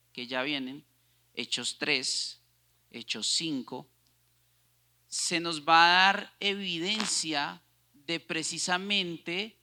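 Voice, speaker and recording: A man's voice: on the high side, sharp tone. A young man with a Colombian Spanish accent, teaching a Bible study and drawing in the audience with questions. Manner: engaging, asks the audience questions.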